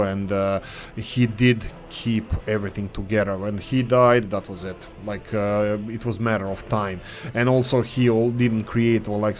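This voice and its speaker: Croatian-accented man chatting casually. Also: fairly low pitch. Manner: rambling, frequent fillers and restarts. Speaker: gaming channel host. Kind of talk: casual commentary over a game.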